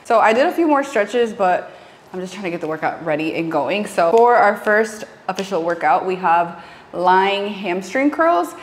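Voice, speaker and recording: A woman's voice: mid-range voice, lively intonation, normal speed, echoey room. A young woman in her twenties vlogging casually from her home gym on a lapel mic, chatty and giggly, slipping in Spanish phrases. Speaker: fitness vlogger. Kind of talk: casual vlog chat to camera. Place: small home gym, indoors.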